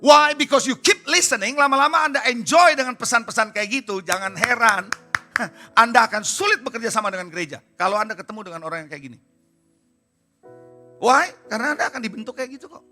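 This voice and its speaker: A man preaching a sermon in a high, very bright and piercing voice. He presses his points hard and keeps firing rhetorical questions at the congregation. Soft music plays faintly behind him. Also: brisk. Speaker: pastor. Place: church service.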